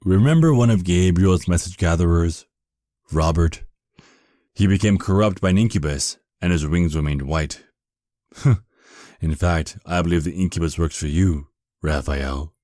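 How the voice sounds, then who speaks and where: A man's voice: low-pitched, measured pace, warm tone, no echo, studio quality. A man playing a stern, proud, prejudiced archangel in an audio drama, speaking in a formal, dismissive way. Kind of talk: dramatic audio roleplay acting.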